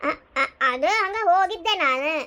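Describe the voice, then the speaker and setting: Woman voicing a shrill sarcastic mother-in-law. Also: animated, moderate pace, sharp tone, exaggerated voice. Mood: alarmed. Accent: North Karnataka Kannada. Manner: shrill, sarcastic, defiant scolding. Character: sharp-tongued sarcastic mother-in-law, older village woman. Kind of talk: cartoon comedy dubbing.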